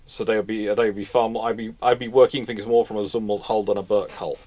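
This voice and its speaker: A man hosting a casual, analytical discussion, building his points haltingly and repeating phrases as he goes. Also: lowish voice, flat delivery, a little mellow. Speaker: host of a naval history question show.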